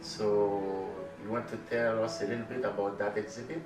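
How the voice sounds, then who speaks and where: Casting: lowish male interviewer, halting delivery, distant roomy studio sound with music under. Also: little pitch movement. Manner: halting, with fillers and restarts. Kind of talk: interview host. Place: art studio.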